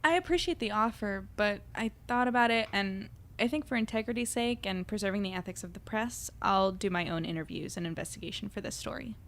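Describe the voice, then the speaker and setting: A woman's voice: medium pitch, brisk, few pauses, a bit bright, a little hiss or hum, close to an everyday voice. A woman playing an earnest, slightly awkward young newspaper reporter in a conversational audio drama. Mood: hesitant but resolved. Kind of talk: naturalistic audio drama dialogue and narration.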